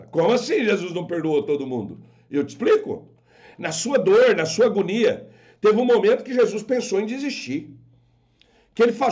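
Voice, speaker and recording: Emphatic high-voiced preacher. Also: male voice, a little mellow, dull audio. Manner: emphatic, repeats rhetorical questions; quotes imagined objectors in put-on voices. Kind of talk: preaching to an online audience.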